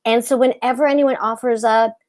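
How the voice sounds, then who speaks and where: Squeaky-voiced woman giving advice. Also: steady tone, fairly quick, a little mellow. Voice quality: squeaky high voice. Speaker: guest actress. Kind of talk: casual advice on a video call.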